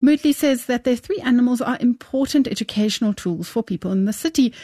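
A woman reporting a radio news story in a measured, clear delivery. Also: on the high side, expressive, mellow, no echo, studio quality.

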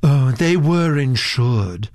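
A man's voice: mid-range voice, expressive, takes it slowly, darkish tone, no echo, studio quality. A man voicing a dreamy, absent-minded actress who murmurs and gushes over food.

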